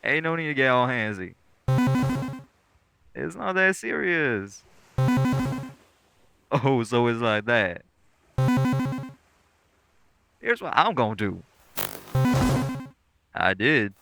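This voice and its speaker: A man's voice: mid-range voice, sing-song, slow, gravelly, long pauses, over loud music, heavily acted. A man playing a sweet, caring, teasing boyfriend in an intimate audio roleplay, speaking laid-back, coaxing slang with an African American Vernacular English accent. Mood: playful, teasing.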